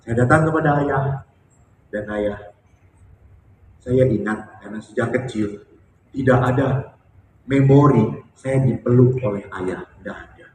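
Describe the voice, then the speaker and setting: A Catholic priest giving a homily as a story, joking with the congregation and then turning soft and heartfelt. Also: male voice, medium pitch, unhurried, long pauses, a little hiss or hum. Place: church or hall before a congregation. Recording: echoey hall, speaker far from mic.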